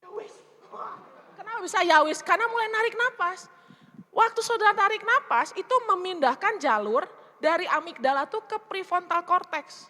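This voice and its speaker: Middle-aged woman church speaker, high bright voice, conversational sermon, long hall reverb. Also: normal speed. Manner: lively, chatty, keeps asking the congregation questions.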